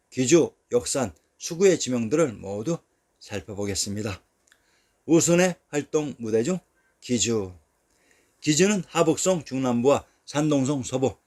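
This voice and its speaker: Guy reading history narration, mid pitch, calm and measured, lots of place names. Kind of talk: scripted narration.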